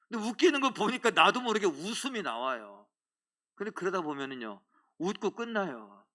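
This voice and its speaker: A middle-aged male pastor giving a lively sermon in a church, acting out little scenes and joking with the congregation. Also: a little high. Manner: animated, acts out voices and jokes with the congregation. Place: church sanctuary.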